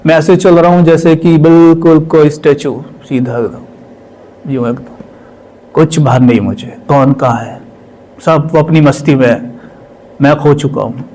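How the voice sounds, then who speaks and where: Male spiritual speaker, emotional testimony, hushed at times, slightly high voice. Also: unhurried, pauses often, low-quality recording. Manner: emotional, drops to hushed tones for quoted voices. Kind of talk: personal testimony storytelling.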